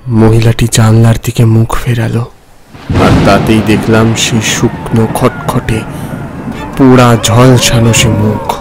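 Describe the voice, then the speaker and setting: A man's voice: lowish voice, little pitch movement, slow, very noisy. A man playing a nervous lawyer who narrates his own ghost encounter in a dramatic, suspenseful first-person style. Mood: terrified. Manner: tense, suspenseful, stammering when frightened. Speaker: narrator and main character.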